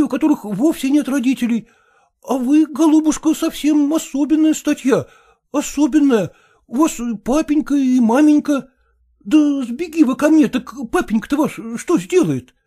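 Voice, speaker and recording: A man's voice: very high voice, warm tone, voice pushed up. A man voicing a timid, lovesick office clerk who mumbles servile apologies and weeps.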